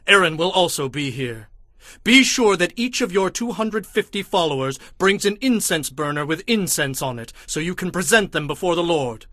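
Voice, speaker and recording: A man's voice: high-pitched, expressive, moderate pace, sharp tone, no room sound, studio quality. A man playing a stern, indignant Hebrew prophet and leader in a dramatized scripture, speaking in an emphatic, commanding, declamatory way.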